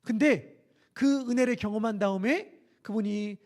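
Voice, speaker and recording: A man's voice: high-pitched, normal speed, darkish tone. A man preaching a sermon as pastor in a church, talking conversationally and asking the congregation questions. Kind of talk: expository sermon. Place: church sanctuary.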